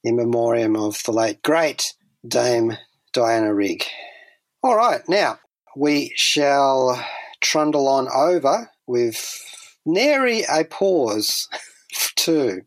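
A man's voice: mid-range voice, animated, slow pace, no room sound, low-quality recording. Wordy, whimsical male radio host, dry studio sound. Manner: wordy, whimsical, wry asides. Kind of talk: chatty pop culture radio presenting.

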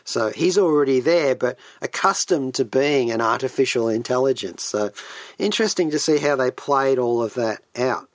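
A man's voice: medium pitch, normal speed, dry recording. A man hosting a radio show alone, chatting enthusiastically in a geeky, rambling way with frequent asides. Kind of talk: chatty solo radio monologue. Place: radio studio.

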